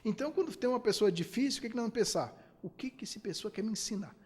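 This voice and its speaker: A man's voice: high-pitched, expressive, quick pace, husky, in a large hall. A man from Brazil giving a spiritist lecture, asking rhetorical questions and acting out quoted dialogue.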